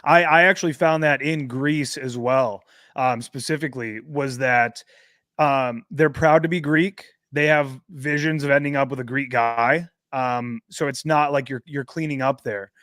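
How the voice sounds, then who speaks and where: A man's voice: mid-range voice, steady tone, a little slow, a bit bright, no echo, studio quality. An American man as an interview guest, chatting casually with slang and swearing. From United States. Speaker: interview guest, dating coach. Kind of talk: casual chat.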